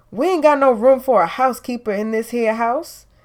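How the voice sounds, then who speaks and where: Using a gruff, put-on character voice, a woman talks at a fairly quick pace in a high pitch. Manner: roaring, gruff.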